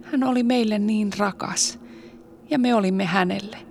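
A woman's voice: mid-range voice, darkish tone, a little hiss or hum, natural voice. A woman playing a grieving, fearful follower of Jesus, anguished and often whispering.

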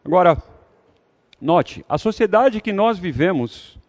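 A man's voice: sits high, animated, slow pace. A man leading an interactive Bible study, talking conversationally and putting questions to the audience.

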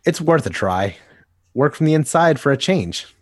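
A man's voice: fairly high pitch, very animated, moderate pace, dry recording. A man voicing a wry young adult male hero in a dramatic comic reading, with teasing, dry banter.

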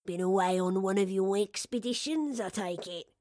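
A woman's voice: mid-range voice, moderate pace, darkish tone, no echo, close to an everyday voice. Lady doing a kindly old shop man, teasing and a bit grumbly, storybook, dry close sound. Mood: curious. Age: older. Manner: old-fashioned British turns of phrase, fond and teasing. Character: kindly elderly male map-shop keeper, playful and grumbling.

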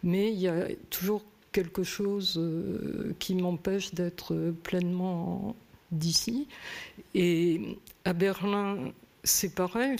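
Slow, gravelly-voiced Frenchwoman, hesitant. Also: on the low side. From France. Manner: hesitant, thoughtful, many pauses and fillers. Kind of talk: reflective conversation.

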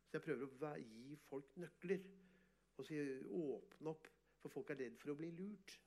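A man's voice: fairly high pitch, slightly rough. Guy, artist, bragging about his work, lots of energy and laughing. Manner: animated, boastful, bursts of laughter. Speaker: artist and photographer guest. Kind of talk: casual storytelling interview.

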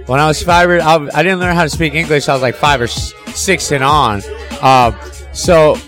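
A man's voice: a little high, fairly even intonation, normal speed, fairly bright tone, soft background music. Rambling rapper man, backstage. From Los Angeles area, of Salvadoran family. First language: Spanish. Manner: rambling storyteller, many fillers and slang. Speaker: rapper, interview guest. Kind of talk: casual backstage interview. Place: backstage at a live hip hop show.

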